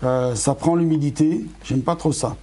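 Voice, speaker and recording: A man's voice: a little high, moderate pace, mellow. A middle-aged man casually unboxing astronomy gear for his channel, chatty, talking straight to his viewers, a bit tired and losing his voice. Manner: chatty, self-correcting, addresses viewers. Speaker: amateur astronomy YouTuber.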